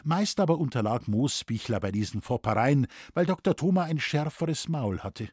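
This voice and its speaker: A man with a Bavarian accent reading an audiobook story in a relaxed, wry storytelling manner. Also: mid-range voice, moderate pace, slightly rough, dry recording, studio quality. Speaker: audiobook reader. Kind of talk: audiobook narration.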